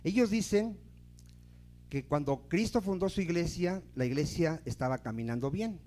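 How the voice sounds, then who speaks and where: A man's voice: fairly high pitch, animated, normal speed, warm tone. A man preaching a sermon as pastor in a church, emphatic and asking the congregation questions.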